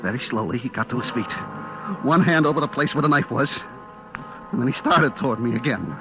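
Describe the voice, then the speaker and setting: A brisk, lightly acted male voice in the mid-range, with lively intonation and the highs cut off, plays a terrified, guilty man fleeing a vengeful butcher. Tense dread runs through his breathless, dramatic first-person telling, which shifts from hushed dread to frantic cries in 1940s-50s radio suspense fashion. It's an old-time radio broadcast over dramatic music.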